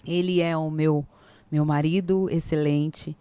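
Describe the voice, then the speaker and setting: A Brazilian woman in her forties, a podcast guest, telling a faith testimony in lively casual talk and acting out the dialogue. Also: low-pitched, measured pace, clean tone, no room sound. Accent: Brazilian Portuguese. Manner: animated storyteller, acts out quoted dialogue.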